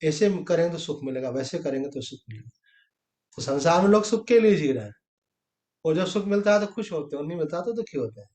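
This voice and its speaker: A fairly high-voiced swami gives a conversational sermon, putting questions to his listeners and answering them himself. His voice rings in an echoey room. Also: expressive, quick pace, a little mellow. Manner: conversational, with everyday examples and short quoted exchanges. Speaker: swami giving a spiritual discourse. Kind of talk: sermon on the Gita.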